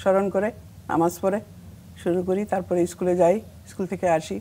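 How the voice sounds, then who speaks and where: Flat, monotone intonation and a dark, mellow tone come through over light background noise. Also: woman. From Noakhali, Bangladesh; Bangladesh. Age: 60s. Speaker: war veteran and school headmistress; talk show guest. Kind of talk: interview testimony. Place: studio.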